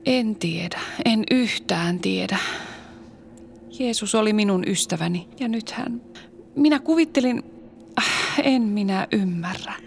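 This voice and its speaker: A woman's voice: medium pitch, lively intonation, vocal fry, slight background noise. A woman playing a grieving, fearful follower of Jesus, anguished and often whispering.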